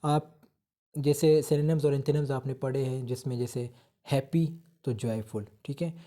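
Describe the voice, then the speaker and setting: Man teaching grammar, really mellow dark voice, says theek hai a lot. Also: mid-range voice, fairly even intonation. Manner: reads English lines slowly, explains in Hindi-Urdu; fills with "ठीक है". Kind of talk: grammar lecture.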